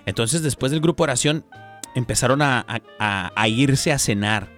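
A man's voice: mid-range voice, lively intonation, normal speed, a bit bright, soft background music. A man hosting a faith radio show, telling jokes playfully and addressing listeners like a preacher. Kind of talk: joking casual radio chat.

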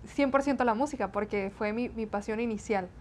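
A young woman in her twenties from the Texas–Mexico border answers an interviewer in a chatty, easygoing way. She fills her answers with eh and repeated "sí, sí, sí". Her voice sits a little high, with a faint hiss behind it. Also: fairly quick. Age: 20s. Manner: chatty, many fillers and repeated "sí, sí, sí". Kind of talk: interview conversation.

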